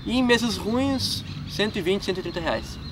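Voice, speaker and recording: Young gaúcho dude, highish voice, chatty vlog talk, filmed outside from a distance, noisy park. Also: male voice, animated, moderate pace. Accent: southern Brazilian gaúcho Portuguese. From Rio Grande do Sul, Brazil. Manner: chatty, lots of filler tags, laughs at himself. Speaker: gaming YouTuber. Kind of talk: casual vlog, answering fan questions. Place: outdoors in a wooded park. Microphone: camera mic from a few feet away. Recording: distant camera mic with outdoor noise.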